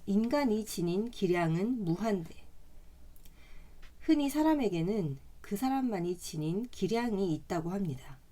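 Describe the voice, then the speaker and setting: With a mid-range voice that's slightly hoarse today, a woman reads a self-help book aloud calmly and in a measured way, tossing in chatty side comments.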